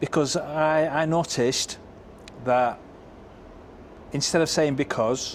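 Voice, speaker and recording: With a Lancashire accent, the man keeps his intonation fairly even. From Lancashire, England. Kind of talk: casual talk to camera.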